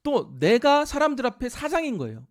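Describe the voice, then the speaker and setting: Male pastor, sermon delivery, higher voice with a wide, animated pitch range. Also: a little fast. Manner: animated preaching, acting out self-righteous quoted voices. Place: church sanctuary.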